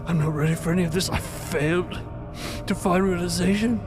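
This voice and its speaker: Guy acting a scared young novice, high pleading voice, anguished confession, loud music under it, audio drama. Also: fairly even intonation, brisk, natural voice. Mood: panicked confession. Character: anxious young novice in a religious order, terrified of failure.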